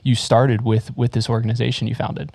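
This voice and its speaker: A man's voice: medium pitch, little pitch movement, brisk, gravelly, a little mellow, slightly rough, dry recording. A man hosting a podcast, welcoming listeners and introducing his guest in a friendly, upbeat way with a few "uh" fillers. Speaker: podcast host. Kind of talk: podcast intro and casual interview.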